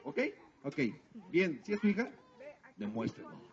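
A man's voice: high voice, animated, normal speed. A man hosting a children's party as a silly, playful clown, drawing out calls for applause into a microphone outdoors. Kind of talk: live children's party entertainment, running a contest on microphone. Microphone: handheld microphone over PA, filmed by distant camera. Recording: dull lo-fi camera audio of amplified voice.

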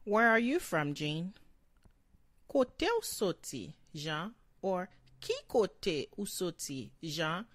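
A woman voicing a young woman named Marie greeting a new friend, speaking slowly and clearly. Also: on the low side, sing-song, dry recording, exaggerated voice. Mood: friendly.

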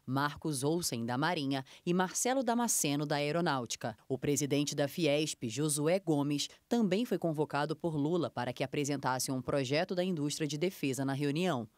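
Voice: medium pitch, no room sound. Formal news voice-over, very dry sound. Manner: even, formal reading. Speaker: news reporter.

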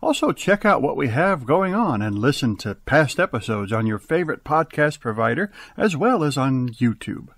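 A man hosting as director, giving a theatrical scripted radio introduction with dramatic, deliberate pauses. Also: mid-range voice, big pitch swings, no echo. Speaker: director and host.

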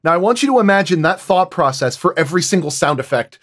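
A man talking casually as a sound designer on a roundtable, explaining things through animated anecdotes and acting out quoted remarks. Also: high-pitched, fast. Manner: animated storytelling, acts out quoted dialogue.

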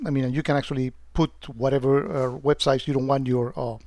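A man walking through a security software demo on screen, talking loosely with many "uh"s and restarts. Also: medium pitch, level tone, a little fast. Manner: hesitant, many fillers and restarts.

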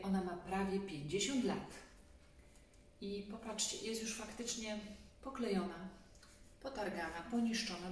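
A woman in her forties reading a children's story expressively, with casual asides to her young listeners. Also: mid-range voice. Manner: expressive, addresses children directly. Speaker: storybook reader. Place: small indoor room, seated on a sofa. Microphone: camera a few metres away. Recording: very echoey room, distant mic, faint noise.

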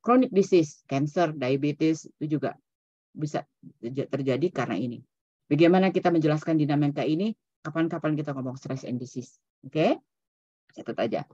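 A woman's voice: low-pitched, moderate pace, mellow, no echo. Woman lecturing over lo-fi webinar audio. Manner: conversational, mixes in English terms, many "gitu ya" tags. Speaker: psychologist presenting at a seminar. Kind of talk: online seminar lecture. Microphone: video call.

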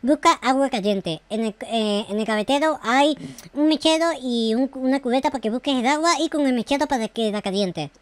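A man doing a high-voiced bossy scolding mum. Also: brisk, a bit bright, dry recording. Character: scolding, bossy mother of the noob boy. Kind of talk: improvised Minecraft roleplay.

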